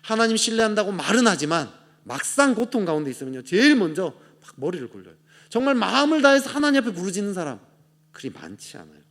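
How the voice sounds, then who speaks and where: A man pastor preaching a sermon, swinging between loud urgent rises and low quiet endings. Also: sing-song, fast talker.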